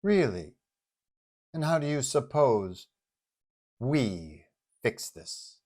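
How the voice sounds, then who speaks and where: Man voicing a soft, menacing villainess boss. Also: mid-range voice, very animated, full character voice. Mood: soft menace. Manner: deliberate, condescending, formal. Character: cold, commanding villainess crime boss, softly menacing. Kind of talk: audio storybook villain dialogue.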